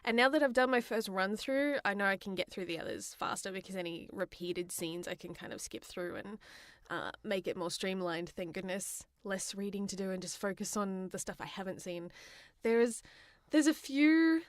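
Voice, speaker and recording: A woman's voice: mid-range voice, normal speed, no room sound, clean studio sound. An Australian woman co-hosting a podcast, chatting casually about games in a giggly, chatty manner. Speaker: podcast co-host. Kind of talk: casual gaming chat.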